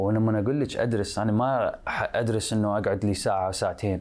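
A man with an Iraqi accent, ordinary pitch variation and a moderate pace. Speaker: actor. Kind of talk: interview. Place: home room. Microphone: lapel.

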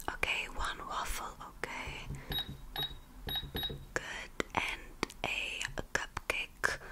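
The voice is whispering. It moves at a very slow pace. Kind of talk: role-play pretend play narration. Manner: soft ASMR cashier roleplay voice. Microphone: phone near.

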